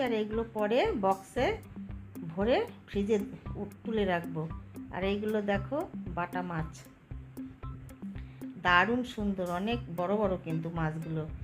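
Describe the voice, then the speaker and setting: A woman chatting casually in a home vlog and speaking to viewers as friends. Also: medium pitch. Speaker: vlogger. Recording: background music under the voice. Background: music.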